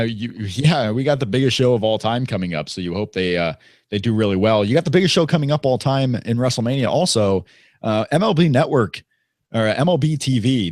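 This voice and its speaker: A man's voice: lowish voice, dry recording, studio quality. A man from Indiana co-hosting a casual wrestling podcast, rambling with many fillers and restarts. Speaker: podcast co-host.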